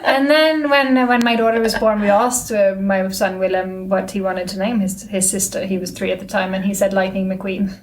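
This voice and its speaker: A woman's voice: medium pitch, flat delivery, moderate pace, few pauses, poor audio. Chatty Swedish-native woman. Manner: chatty, rambling storyteller. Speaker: podcast co-host. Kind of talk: casual chat.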